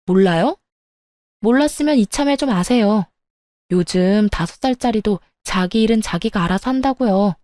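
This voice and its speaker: A woman's voice: on the high side, no echo, studio quality, lightly acted. A woman playing a fed-up young wife who talks back sharply to her in-laws, in a story radio drama. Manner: sharp, retorting.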